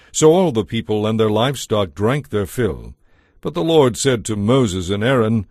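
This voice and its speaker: A man narrating scripture from a script in a solemn, deliberate, clearly enunciated storytelling style. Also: fairly low pitch, a little mellow, no echo, clean studio sound. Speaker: Bible narrator.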